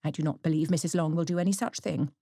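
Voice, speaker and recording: A woman's voice: low voice, quick pace, mellow, dry recording, clean studio sound. A woman voicing a flighty, nervous middle-aged mother in an audiobook, exclamatory and easily aggrieved or gushing. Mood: resentful. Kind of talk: audiobook character acting.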